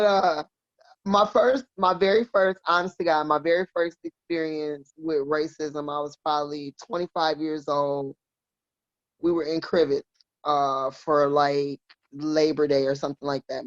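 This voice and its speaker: A woman's voice: sits low, steady tone, unhurried, no room sound. A woman in her forties from Milwaukee, a podcast guest telling personal stories in a frank, salty, laughing way. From Milwaukee, Wisconsin. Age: 40s. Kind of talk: casual chat, personal storytelling. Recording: dull lo-fi dry sound.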